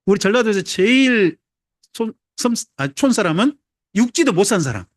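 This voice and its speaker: A pastor from Jeolla, South Korea, delivers a chatty, humorous sermon in a high, animated voice at a moderate pace, frequently posing questions to the congregation. The recording is dry and close, with no room sound.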